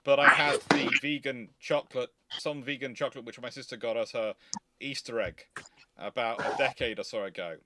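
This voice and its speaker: A man's voice: medium pitch, normal speed, heavy background noise. A man giving casual live commentary, explaining things emphatically and repeating himself to qualify each point carefully. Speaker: host of naval history live Q&A.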